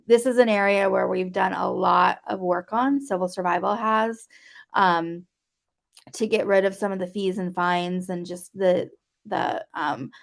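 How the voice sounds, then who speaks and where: A woman's voice: mid-range voice, vocal fry. A woman guest advocate answering interview questions, hesitant with many fillers.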